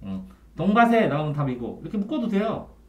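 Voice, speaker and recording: Male tutor, animated delivery, keeps checking the student understands. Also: fairly high pitch, brisk, dull audio. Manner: trailing off quietly at the ends of phrases. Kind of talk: one-on-one Korean grammar tutoring. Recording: echoey room.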